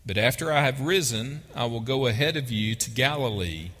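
A man with a Texas accent preaches in a conversational way, reading scripture and pausing to ask his listeners questions. His voice is bright and forceful at a middle pitch. It rings with the long reverb of a large hall. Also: expressive. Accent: Texan. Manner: conversational, asks the audience questions. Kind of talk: sermon with Bible reading.

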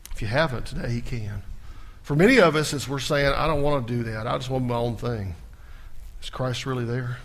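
A pastor preaching a sermon in a church, building to loud emphatic peaks and then dropping into a quiet prayer. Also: male voice, medium pitch. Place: church sanctuary.

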